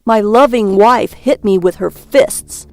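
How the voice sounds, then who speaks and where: Woman playing a creaky, boyish, childlike husband. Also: mid-range voice, a little mellow. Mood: hurt, sulky. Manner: matter-of-fact, slow and deliberate phrasing, turning boyish. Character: boyish, childishly enthusiastic, easily wounded husband. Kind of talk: audiobook character dialogue.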